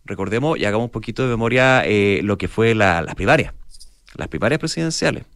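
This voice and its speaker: A man's voice: on the low side, lively intonation, brisk, a bit bright, dry recording. A man with a Chilean Spanish accent talks through the news on a morning radio show. His delivery rambles, with frequent restarts as he thinks aloud, and the sound is dry and close.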